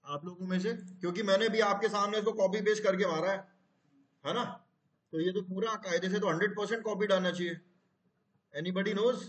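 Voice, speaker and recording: A man's voice: high voice, fairly quick, fairly bright tone, echoey room. A man teaching a live online class, explaining step by step and asking his students questions.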